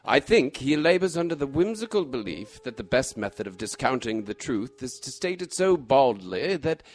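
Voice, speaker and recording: A shrewd gentleman detective, played by a man in a radio mystery drama. His pitch moves in lively swings around a middle register. He is courteous and formal, with a dry, measured irony. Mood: grave, resolute. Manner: formal, measured, dryly ironic.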